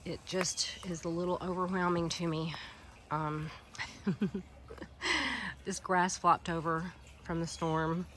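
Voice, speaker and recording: A woman's voice: on the low side, fairly bright tone, slight background noise. A woman with a Southern US accent and a stuffy head cold, chatting casually and rambling with many fillers as she walks through her outdoor garden filming it by hand. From Alabama Gulf Coast, US. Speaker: gardening vlogger. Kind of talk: casual walking garden tour.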